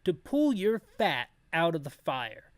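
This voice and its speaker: A man voicing a blunt, rugged male agent from a video game, with a halting, dramatic delivery. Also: on the high side, very animated, no room sound. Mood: stern, blunt. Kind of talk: amateur character voice for game dialogue.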